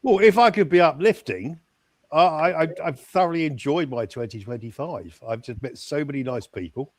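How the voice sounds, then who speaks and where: A man's voice: fairly high pitch, normal speed, dry recording. Stammering upbeat older man. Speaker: guest. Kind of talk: casual chat.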